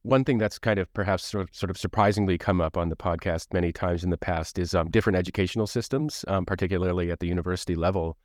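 A man's voice: sits low, fast, few pauses, darkish tone, no room sound, studio quality. A man from Canada hosting a podcast interview, chatting in a rambling way with many restarts. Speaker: podcast host. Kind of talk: casual interview conversation.

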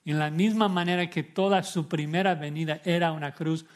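A male pastor delivers an expository sermon in a voice pitched a little higher than most men's. He preaches with emphasis, stacking repeated words and throwing out rhetorical questions to the congregation. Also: steady tone, fairly quick.

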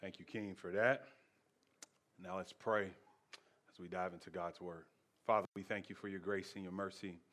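A man preaching as a pastor, telling stories in deliberate short phrases with pauses for emphasis. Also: low voice, steady tone, fairly bright tone. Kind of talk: sermon with storytelling.

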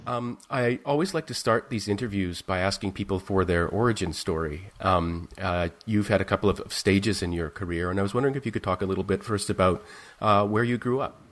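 A man hosting a podcast interview, asking questions in a measured way with frequent filler sounds. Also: low-pitched. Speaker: podcast host.

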